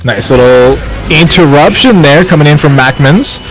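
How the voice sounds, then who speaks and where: A man giving analytical color commentary on a fighting game match, measured with quick asides. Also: fairly high pitch, animated. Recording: faint music underneath.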